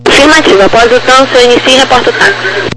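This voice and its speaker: High-pitched Brazilian male controller on radio. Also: lively intonation, racing, loud music behind the voice. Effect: aviation radio. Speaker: air traffic controller. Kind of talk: radio phraseology, procedural instructions. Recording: noisy aviation radio transmission.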